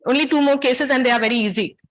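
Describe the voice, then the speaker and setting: High-voiced South Asian woman lecturing. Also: very fast. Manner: didactic, questioning the audience. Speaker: medical lecturer. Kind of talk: interactive academic case-based lecture.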